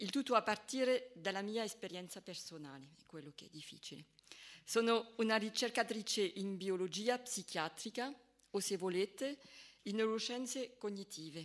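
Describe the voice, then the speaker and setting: A woman with a non-native accent speaks at a fairly high pitch with lively intonation. Her loudness swings widely against a quiet background. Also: moderate pace. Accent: non-native Italian. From France. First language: French (speaking Italian). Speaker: neuroscientist; guest scientist lecturer. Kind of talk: lecture. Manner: halting. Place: hall. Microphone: podium.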